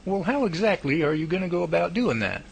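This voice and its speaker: A man acting a wisecracking, incredulous teammate in an audio drama. His voice is high and very lively in pitch. Background noise is clearly audible. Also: fast. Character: incredulous, wisecracking male member of a research team.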